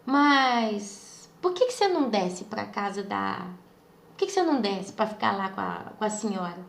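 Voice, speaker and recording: A woman's voice: mid-range voice, lively intonation, normal speed, creaky. A woman voicing a rude, nagging grown man who keeps pressing her with questions. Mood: needling. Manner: needling, questioning. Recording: roomy echo.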